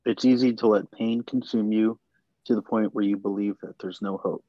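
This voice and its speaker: A man reading the part of a small-town reverend addressing his church, measured and solemn. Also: fairly low pitch, steady tone, dry recording, dull audio, natural voice. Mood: consoling. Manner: measured, preaching. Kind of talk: script table read.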